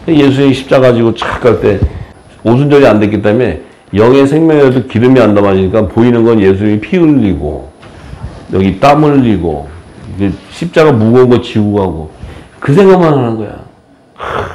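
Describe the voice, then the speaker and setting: Man, preacher, sermon, rhetorical questions, slow scripture reading, medium pitch. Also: dark tone, poor audio.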